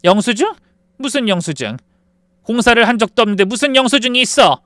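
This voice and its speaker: A man's voice: extremely high pitch, expressive, brisk, dry recording, studio quality, pitched above the performer's own voice. Man voicing an enraged older landlord mother. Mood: indignant. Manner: scolding, sharp demands. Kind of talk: dramatized story reading.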